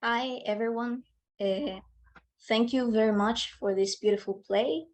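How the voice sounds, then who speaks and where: A woman giving personal testimony on a video call, haltingly searching for words. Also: a little high, fairly even intonation, a little hiss or hum. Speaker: audience participant in an online discussion.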